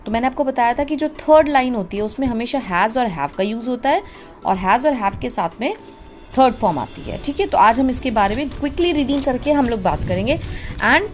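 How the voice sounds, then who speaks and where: A woman with an Indian accent teaching English pronunciation, switching between Hindi and English and repeating words slowly to correct them. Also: a little high, expressive, soft background music. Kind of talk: slow classroom-style pronunciation lesson mixing Hindi and English.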